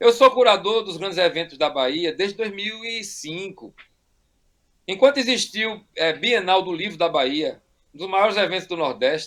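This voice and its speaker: A man's high voice at a moderate pace, with lively intonation and big swings in loudness. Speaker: poet and literary curator. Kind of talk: TV interview.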